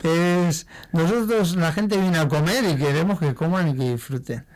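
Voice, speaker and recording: A man from La Mancha, a chef, chatting in an interview in an animated way and laughing easily. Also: on the high side, normal speed, low-quality recording. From La Mancha, Spain. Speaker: chef, guest. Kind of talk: casual interview talk.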